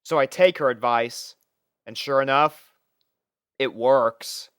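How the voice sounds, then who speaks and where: A man narrates a scripted fan story in the first person. His voice is smooth and clear, with a conversational storytelling manner. The recording is dry, with little room sound. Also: mid-range voice, slow, a bit bright, dry recording. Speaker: narrator and reader playing the first-person lead.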